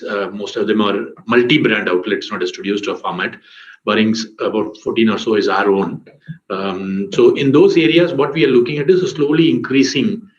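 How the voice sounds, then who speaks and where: Male company executive, explanatory, lowish-pitched, muffled roomy conference line. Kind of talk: answering questions on an earnings conference call.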